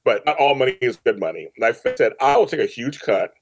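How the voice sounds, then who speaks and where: A man in his fifties with a very lively, swooping delivery, recorded close and dry. He tells stories as a podcast guest, repeating phrases for emphasis and playing out bits of dialogue. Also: mid-range voice, fairly quick, dry recording. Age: 50s. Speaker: podcast guest, professional organizer. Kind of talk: animated storytelling in a casual interview.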